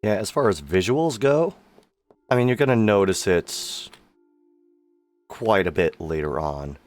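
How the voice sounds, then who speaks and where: A man's voice: fairly low pitch, animated, measured pace. A man giving casual live-stream game commentary, his voice worn from sickness and hours of streaming. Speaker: streamer, amateur voice actor.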